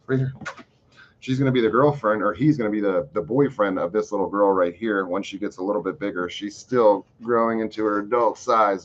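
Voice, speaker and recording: A man's voice: lowish voice, lo-fi sound, a little hiss or hum. A man hosting a casual live chat, answering viewer questions in a rambling, profane way with lots of fillers. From Florida. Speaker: host.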